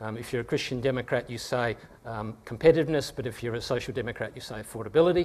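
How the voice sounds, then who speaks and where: A man with a strong Australian accent, medium-pitched, very fast, with fairly even intonation. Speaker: energy analyst. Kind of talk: conference talk. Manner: casual, joking.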